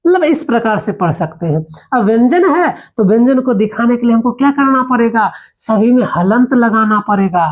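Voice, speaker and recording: Woman, fairly high voice, grammar teacher, rhetorical questions, careful letter-by-letter recitation. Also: expressive, moderate pace, hardly any pauses. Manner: explains with rhetorical questions and homely examples. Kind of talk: spoken grammar lesson.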